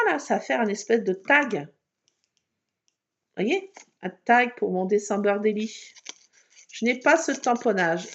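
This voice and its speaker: A woman's voice: medium pitch, vocal fry, dull audio. A woman chatting playfully and mocking herself while she shows a scrapbooking craft. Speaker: craft video maker. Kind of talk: casual crafting tutorial.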